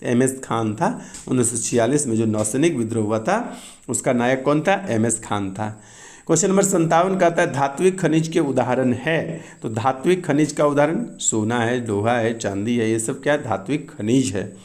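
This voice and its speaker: A man with a Bihari Hindi accent going through exam questions one by one, explaining the answers in a casual, quick teaching manner with frequent asides. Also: medium pitch, expressive, darkish tone.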